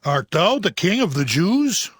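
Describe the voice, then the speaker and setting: High, dramatic Roman governor played by a man. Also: sing-song, measured pace, a bit bright, husky, full character voice. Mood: questioning, stern. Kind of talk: dramatized scripture acting.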